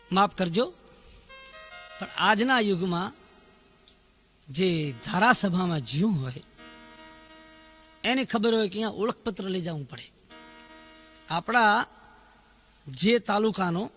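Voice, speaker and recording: A man's voice: high voice, pushed and bright. A man telling a folk tale in dayro style, dramatic and declaiming, breaking into chanted verses. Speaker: folk storyteller.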